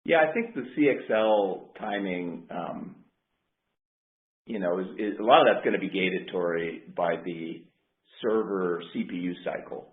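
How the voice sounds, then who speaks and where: A man speaking as a company executive, answering questions on an earnings call in a measured, careful way. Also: deep voice. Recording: roomy, dull conference line.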